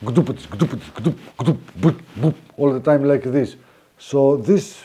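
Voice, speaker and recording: A man with a Greek accent, fairly high-pitched, with a dark, mellow tone, lively intonation and a fairly slow pace. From Greece. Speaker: motorcycle reviewer. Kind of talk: product review. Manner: hesitant, with fillers.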